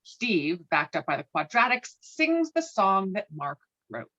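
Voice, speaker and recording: A woman's voice: medium pitch, sing-song, measured pace, pushed and bright. A woman reading stage directions as scripted narration for a table read. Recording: dull, lo-fi online call audio.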